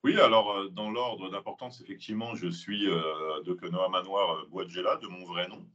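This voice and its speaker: Low husky man, slow and hesitant. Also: fairly even intonation, fairly bright tone. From France, Île-de-France. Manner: measured, many hesitations and filler sounds. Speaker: guest, police officer and author. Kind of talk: interview answers. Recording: dull lo-fi sound.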